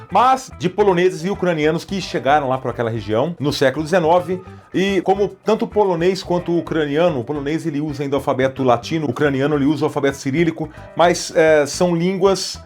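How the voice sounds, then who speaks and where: Brazilian guy explaining stuff, chatty and loose, lots of little uhs, faint music underneath. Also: on the high side. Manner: relaxed, conversational, with frequent filler hesitations. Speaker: presenter. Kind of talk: educational explainer.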